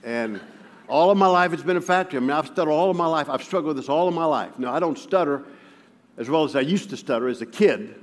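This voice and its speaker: Stuttering preacher in a big hall. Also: male voice, on the high side, animated, quick pace. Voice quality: stutters, with frequent repeated words. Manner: self-deprecating humor, chuckling as he talks. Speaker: guest preacher. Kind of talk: sermon with personal storytelling. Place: church sanctuary. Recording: long reverb of a large hall.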